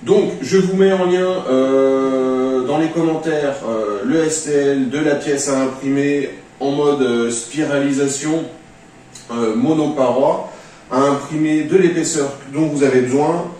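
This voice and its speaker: A man talks through an informal tutorial in a practical, step-by-step manner. His voice sits at an average pitch. It is recorded at a distance from the mic in a strongly echoing room, with faint noise. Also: unhurried, dark tone. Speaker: tutorial presenter.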